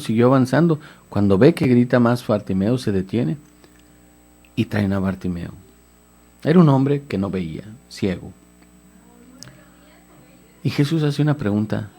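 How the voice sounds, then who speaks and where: A man preaching a radio sermon, retelling a scripture story with mounting fervor. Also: mid-range voice. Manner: retells scripture dramatically, rising to shouts of pleading.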